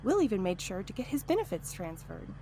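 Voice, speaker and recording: A woman's voice: medium pitch, sing-song, fairly quick, warm tone, a little hiss or hum, lightly acted. A woman playing a sensible, anxious peacemaker with dry humour in an audio drama. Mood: matter-of-fact.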